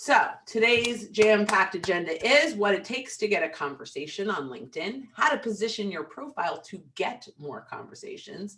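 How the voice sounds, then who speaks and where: Over noticeable background noise, a woman speaks with an animated tone at medium pitch and a moderate pace, with very wide pitch swings, big swings in loudness and hardly any pauses. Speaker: LinkedIn sales trainer, webinar presenter. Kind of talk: webinar presentation.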